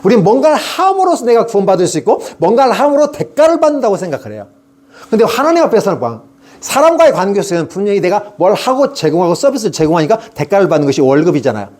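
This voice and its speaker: A man's voice: high voice, big pitch swings, fast, darkish tone. A middle-aged male pastor preaching an evening revival sermon, asking rhetorical questions and acting out people's prayers.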